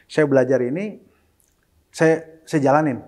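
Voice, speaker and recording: A middle-aged man talks casually as an interview guest, his voice sitting a little high. He slips English phrases into his speech. He turns animated when he quotes his children. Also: measured pace. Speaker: interview guest, single father.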